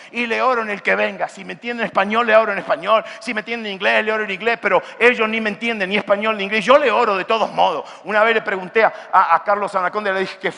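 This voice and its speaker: A male pastor preaching a sermon at a youth conference, with an impassioned delivery that rises to shouts. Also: sits high, creaky, in a large hall. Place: large hall at a youth conference.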